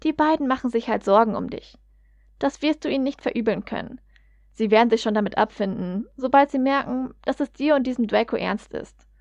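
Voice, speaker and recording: A woman's voice: on the high side, fairly quick, darkish tone, no room sound, lightly acted. A woman reading as a caring middle-aged mother. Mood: concerned. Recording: dull, dry lo-fi recording.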